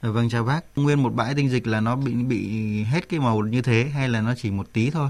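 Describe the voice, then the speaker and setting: A man talks at a fairly quick pace in a normal speaking voice with a medium pitch. His intonation is fairly even and his loudness very even. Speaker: doctor. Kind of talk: radio call-in health advice. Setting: studio.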